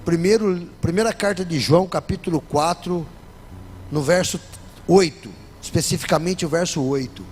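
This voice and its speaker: A man's voice: fairly high pitch, moderate pace, a little mellow, slight background noise. A man with a Brazilian Portuguese accent preaching a sermon to his congregation in church, often asking them for an amen. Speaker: pastor. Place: church service.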